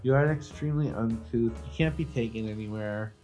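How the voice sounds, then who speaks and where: A man's voice: mid-range voice, fairly quick, dark tone, lo-fi sound, faint music behind. A man co-hosting a casual comedy podcast, joking crudely and teasing his friend. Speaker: podcast co-host.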